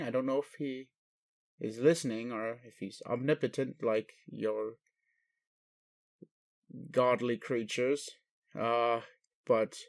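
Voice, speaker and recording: A man playing an ancient alien father in a roleplay audio, speaking formally with pauses to his adopted human, fond and bemused. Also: a little high, creaky, full character voice. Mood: musing. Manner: slow, formal phrasing with pauses, addresses listener as human. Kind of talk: roleplay audio addressed to the listener.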